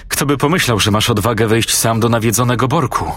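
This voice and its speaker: A man voicing a brave, sharp-tongued young girl who fires off blunt questions. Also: medium pitch, brisk, natural voice. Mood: urgent.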